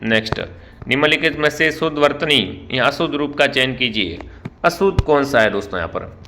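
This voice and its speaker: A man's voice: mid-range voice, expressive, brisk, pushed and bright, slight background noise. A man with a Rajasthani Hindi accent teaching an online spelling quiz. He asks each question, calls out to the viewers, and then answers it himself. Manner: keeps calling out to the viewers as friends. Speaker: online exam-prep teacher.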